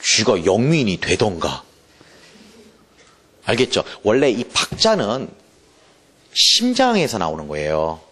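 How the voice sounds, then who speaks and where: A man lecturing on English literature for exam prep, teasing his students with quick rhetorical questions and reading English verse slowly and deliberately. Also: lowish voice, wildly swooping pitch, a bit bright, slightly rough. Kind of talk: classroom lecture.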